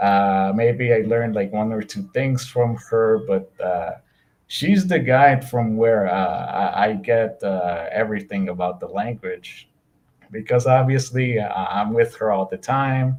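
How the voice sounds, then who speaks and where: At a fairly slow pace, a man with an American accent talks in a medium pitch with ordinary pitch variation. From New York City, the Bronx. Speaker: immigrant guest. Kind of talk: interview on live stream. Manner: hesitant, many fillers.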